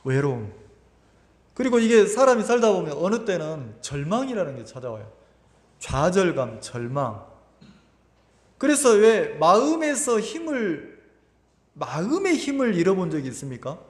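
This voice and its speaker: A man with a high voice preaches a Sunday sermon in a church, his pitch rising and falling widely. He talks conversationally, keeps asking the congregation questions and repeats his words. His voice rings through a reverberant hall. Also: very animated, a little slow, long pauses. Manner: repeats words and uses filler "막" often. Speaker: pastor. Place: church sanctuary.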